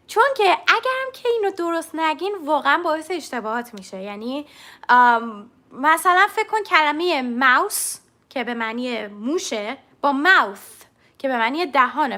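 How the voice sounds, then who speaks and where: Bright high-voiced woman teaching English. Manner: explains step by step and demonstrates sounds; answers viewers' chat questions. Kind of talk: live-streamed language lesson.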